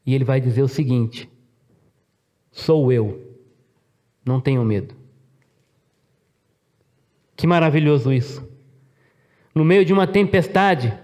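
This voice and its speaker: A man's voice: on the high side, a little mellow. A middle-aged man with a Brazilian Portuguese accent, preaching a sermon, asking the congregation questions and acting out quotes. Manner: rhetorical questions to the congregation, dramatic voiced quotes. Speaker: pastor.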